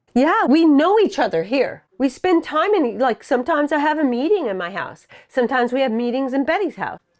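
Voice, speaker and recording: A woman talks at a fairly quick pace with hardly any pauses. Her high pitch makes very wide swings. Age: 60s. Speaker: co-op resident, costume designer. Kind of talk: casual chat.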